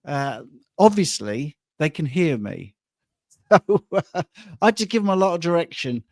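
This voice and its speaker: Hoarse English man, hosting. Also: a little high, very animated, moderate pace, darkish tone, no room sound, studio quality. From England. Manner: chatty, self-mocking. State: hoarse from shouting. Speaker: host reading questions. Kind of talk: live Q&A chat.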